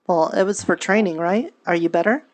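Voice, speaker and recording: A woman's voice: on the low side, brisk, close to an everyday voice. A woman playing a caring, diplomatic townswoman in a fantasy roleplay, talking in a hesitant, conversational way. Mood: curious. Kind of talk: improvised fantasy roleplay in character.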